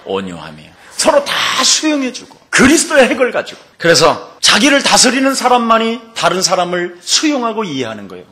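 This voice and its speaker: A middle-aged man preaching a sermon as pastor in a church, animated and storytelling, acting out what people said. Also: sits high, brisk, hardly any pauses. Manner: animated preaching, acts out quotes and sings snatches of hymns. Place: church sanctuary.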